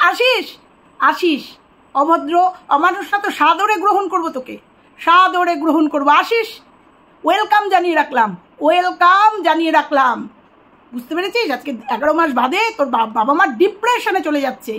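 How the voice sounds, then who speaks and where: High-pitched angry woman ranting. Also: a bit bright. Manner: accusing, repeating phrases for emphasis. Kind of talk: angry confrontational monologue.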